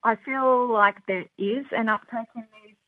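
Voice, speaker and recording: A woman's voice: fairly high pitch, steady tone, a little slow, no room sound. Enthusiastic Australian woman on a phone line. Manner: enthusiastic, upbeat, frequent "um" and "look". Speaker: rugby development representative. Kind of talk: phone interview guest.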